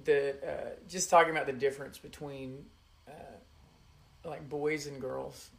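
A man's voice: medium pitch, fairly even intonation, a little slow, vocal fry. A man in his forties co-hosting a podcast in casual chat, teasing and cracking dry jokes. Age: 40s. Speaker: podcast co-host.

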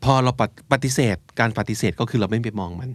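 A man's voice: medium pitch, fast, no echo. Man co-hosting a vocabulary podcast. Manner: explains words in Thai, mixing in English terms. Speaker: podcast co-host teaching English vocabulary. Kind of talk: casual explanatory chat.

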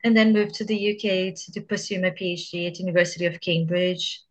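A woman's voice: lowish voice, steady tone, brisk, poor audio. Brazilian-accented woman researcher in her thirties. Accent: Brazilian Portuguese. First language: Portuguese. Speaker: guest researcher. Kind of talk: interview answers.

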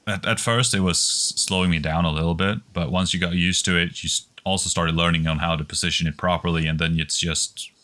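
Brief: man, low and bright voice, laid-back podcast guest, rambling with fillers. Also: a little fast, few pauses. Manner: relaxed storytelling with lots of fillers and restarts. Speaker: precision rifle shooter. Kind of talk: casual podcast chat.

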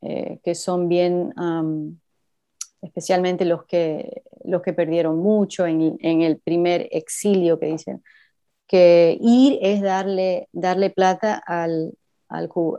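A woman with a hybrid Cuban-Argentine accent talks in a low, dark, mellow voice. She pauses often on fillers and drops English phrases into her Spanish. The recording sounds dull and lo-fi. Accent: mixed Cuban and Argentine Spanish. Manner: hesitant, many fillers, mixes in English phrases. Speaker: interview guest. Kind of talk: casual conversation.

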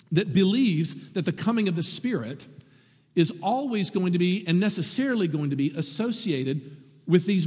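A man preaching a sermon to his congregation, lively and animated, with wry asides. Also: high voice, husky, in a large hall. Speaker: pastor.

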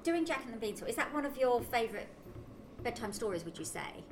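A woman's voice: a little high, sing-song, fairly quick, noisy background. A woman co-hosting an interview in a casual, enthusiastic, gushing way. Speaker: co-host, interviewer. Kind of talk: casual chat.

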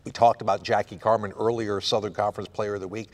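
A man's voice: fairly low pitch, little pitch movement, fast talker. A man hosting a sports radio show, interviewing a coach and recapping recent games.

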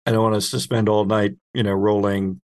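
A man hosting and narrating a tabletop game as game master, with deliberate, descriptive storytelling. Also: on the low side, little pitch movement, darkish tone.

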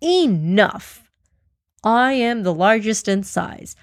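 A woman's voice: mid-range voice, animated, slow, no echo, clean studio sound. A woman voicing a huge, boastful male elephant in a children's story, commanding and sarcastic.

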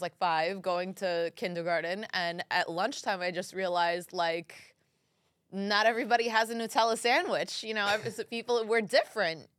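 A woman, telling stories in an animated, joking way as a studio guest. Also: mid-range voice, dry recording. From Brooklyn, New York. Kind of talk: casual interview chat.

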